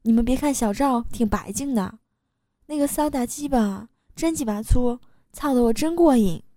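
Woman reading a story in a mellow voice. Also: on the high side, moderate pace, no room sound, studio quality. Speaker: story reader. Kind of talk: first-person story reading.

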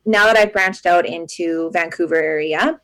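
A woman's voice: on the low side, moderate pace, a bit bright, low-quality recording. A young woman from Alberta, guest on a podcast interview, talking in a chatty, emphatic way with lots of fillers. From Alberta, Canada. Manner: chatty and emphatic, many "like" and "you know". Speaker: guest, marketing agency founder.

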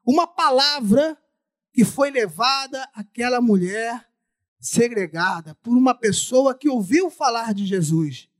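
A man with a very high voice preaches in Brazilian Portuguese, slightly muffled by a face mask. He delivers his sermon as a preacher who repeats phrases to drive them home. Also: lively intonation, unhurried. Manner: repeats phrases for emphasis, acts out dialogue.

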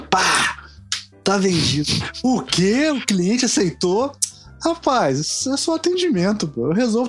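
A man spins a long anecdote in casual chat, jumping into the voices of the people in it and laughing as he goes. His voice sits a little high. Faint music plays behind him. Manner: animated storyteller, acts out quotes, laughs often, profanity.

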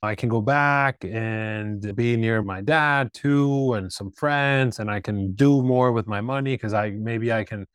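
A man in his thirties from Peru, a guest telling his story in a casual interview, relaxed and rambling with restarts. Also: lowish voice, a little slow, few pauses, clean tone, no room sound, clean studio sound. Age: 30s. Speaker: guest, startup founder.

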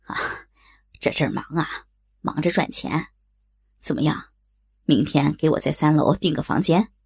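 A raspy, pushy middle-aged businessman, as a woman narrator puts him on for an audio story. His voice sits very low and grinds with gravel and a husky edge. He pleads and wheedles in a drawn-out way. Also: a little mellow, full character voice. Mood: jovial.

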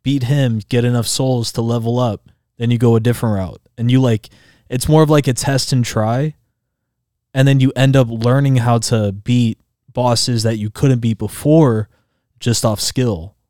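A man in his twenties co-hosting a relaxed podcast, spinning excited stories and acting out sounds with his voice. His pitch sits in the middle range, and he fills his talk with "like" and "bro." The room is dead and dry. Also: a little slow, no room sound. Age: 20s. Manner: animated storyteller, acts out game sounds, heavy filler "like" and "bro". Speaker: podcast co-host. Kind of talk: casual chat.

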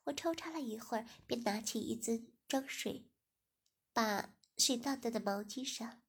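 A woman narrating a first-person story in a low-key, even reading voice. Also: measured pace, breathy edge. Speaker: story reader.

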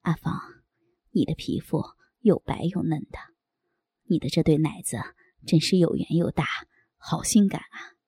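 A woman doing a hushed, gravelly-voiced coaxing man. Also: fairly low pitch, animated, normal speed, no echo, voice pushed down, exaggerated voice. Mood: soft coaxing. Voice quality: soft, hushed, half-whispered. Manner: tender, wheedling. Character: gentle coaxing adult man, soft-spoken lover.

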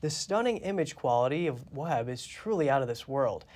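A man anchoring a news program, reading scripted news in a steady, clear way. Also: medium pitch, moderate pace.

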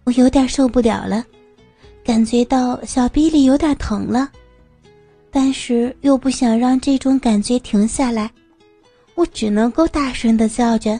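A woman narrating a first-person adult audio story in an intimate, breathy manner. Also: fairly high pitch, unhurried, warm tone, dry recording, soft background music.

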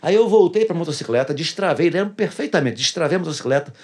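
A man's voice: a little high, lively intonation, quick pace, darkish tone, slightly rough. A pastor tells his personal testimony in a casual interview, earnestly repeating phrases for emphasis.

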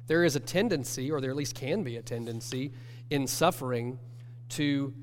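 A man, nasal from a cold, teaching a church class in an earnest, measured way. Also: medium pitch. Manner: earnest, measured, self-correcting. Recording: long hall reverb with faint hum.

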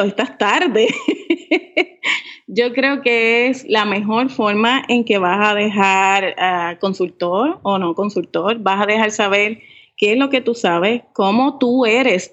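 A woman's voice: mid-range voice, a bit bright, dull audio. A woman podcaster chatting as an interview guest, laughing often, self-mocking and dropping in English words. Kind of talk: casual interview chat.

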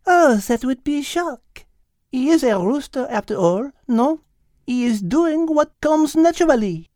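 A woman's voice: high voice, expressive, a little slow, a little mellow, no echo, studio quality. A woman voicing a bossy, polite and dainty female animal leader with a French accent in a children's story. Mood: brisk, polite.

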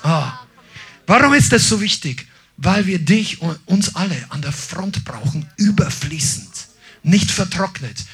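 A man preaching a sermon, animated, often shouting his emphasis and acting out quotes in little voices. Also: high-pitched, husky. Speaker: pastor.

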